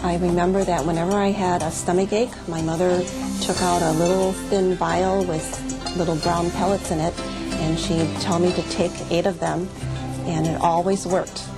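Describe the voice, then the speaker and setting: American lady w vocal fry telling personal memories, loud music under it. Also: lowish voice, little pitch movement, normal speed. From Milwaukee, United States. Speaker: interviewee sharing family experience. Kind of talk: personal recollection.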